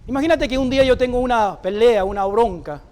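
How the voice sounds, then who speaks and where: High voiced guy preaching in church, goes from soft and slow to loud and punchy, talks right to the congregation. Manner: swings between hushed, slow phrases and loud, emphatic declarations; addresses the congregation directly and calls people up to the front. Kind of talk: church sermon.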